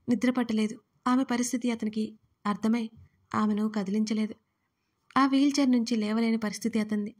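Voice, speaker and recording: A woman reads a romance audio story in a mellow, warm voice pitched a little high. Her delivery is steady and fairly flat, keeping an even storytelling flow. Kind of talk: scripted audio-story narration.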